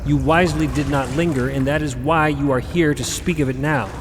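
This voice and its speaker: An actor playing an eccentric, cryptic elder grandparent in an audio drama, with formal, theatrical diction. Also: male voice, fairly high pitch, fairly even intonation, brisk, long reverb tail, background noise, natural voice. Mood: grave, cryptic. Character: eccentric elder robed mother-figure, male, grandparental, breezy and cryptic.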